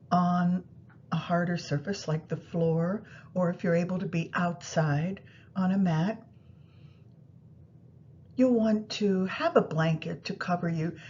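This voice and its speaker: A woman guiding a meditation practice in a soothing, unhurried manner, pausing between phrases. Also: mellow. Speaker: yoga nidra meditation guide. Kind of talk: guided meditation instruction. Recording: muffled, low rumbling background noise.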